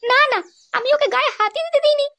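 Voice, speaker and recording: Squeaky, scheming cartoon wife, voiced by a woman. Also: quick pace, pushed and bright, exaggerated voice. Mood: sly, coaxing. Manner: coaxing, brazen. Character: scheming, sly young wife in a comedy cartoon.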